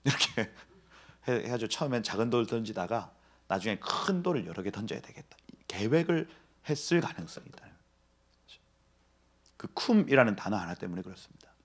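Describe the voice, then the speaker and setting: A middle-aged man, a pastor, delivering an expository sermon in an animated way, laughing often, dropping to whispers and acting out short voices. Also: lowish voice, brisk, pauses often, husky.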